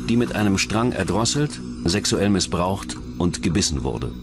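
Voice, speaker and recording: A man narrates a true-crime documentary from a script. His voice sits on the low side, and soft music plays underneath him. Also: sing-song, normal speed. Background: background music.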